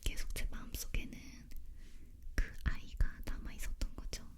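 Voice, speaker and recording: A woman leaning in to whisper an ASMR story in a breathy, unvoiced voice, very close to the microphone. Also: moderate pace. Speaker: ASMR creator telling a personal story.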